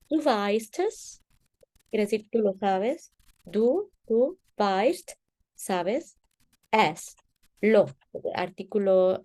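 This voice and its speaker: A woman's voice: mid-range voice, warm tone. A woman voice teacher patiently explaining singing technique in an interview over a video call, often checking in with her listener.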